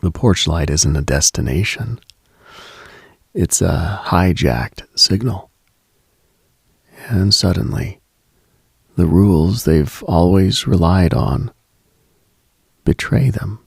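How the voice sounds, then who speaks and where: Slow, husky low-voiced man. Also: animated, darkish tone, dry recording, studio quality. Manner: contemplative, measured, deliberate pauses. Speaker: late-night radio host. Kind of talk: slow reflective late-night monologue, ASMR-like.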